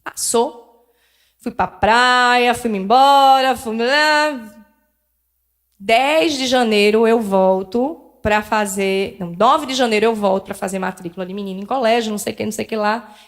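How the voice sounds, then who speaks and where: A woman's voice: fairly high pitch, a little slow. A middle-aged woman, telling a personal story as a lecturer at a spiritist center, candid and self-deprecating, acting out dialogue with shifting voices. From Northeast Brazil.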